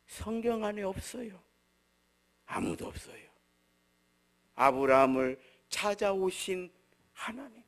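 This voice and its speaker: A middle-aged man preaching a sermon as pastor, telling stories and acting out quoted voices, with swings from soft murmurs to loud emphatic bursts. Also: high voice, lively intonation, takes it slowly, long pauses. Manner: storytelling, acts out quoted voices.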